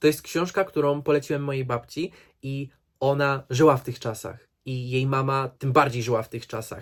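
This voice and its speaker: A man in an ordinary speaking voice talks at a moderate pace and medium pitch, with fairly even intonation, on a very clean recording with a silent background. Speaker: book YouTuber. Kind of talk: casual vlog monologue.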